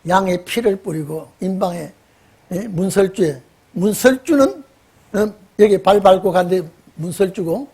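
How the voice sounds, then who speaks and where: A man's voice: high-pitched, a little slow, a little mellow, slightly rough. A man preaching, telling the story with acted dialogue and questioning the congregation. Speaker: pastor. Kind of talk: lively sermon with acted dialogue.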